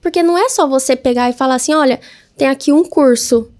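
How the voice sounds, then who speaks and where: A woman's voice: high voice, quick pace, a little mellow. A woman, a guest entrepreneur, telling her story in a casual interview and acting out her own past words.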